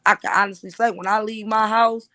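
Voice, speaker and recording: High-voiced man ranting on a livestream. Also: level tone, fairly quick, pushed and bright. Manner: emphatic, profane, repeats "like I said". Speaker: livestream host. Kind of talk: casual livestream talk.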